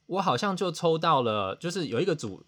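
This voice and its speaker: A man's voice: a little high, big pitch swings, a little fast, a bit bright. A man, hosting a podcast and telling a self-mocking story with dramatic outbursts. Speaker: podcast host. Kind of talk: casual storytelling chat.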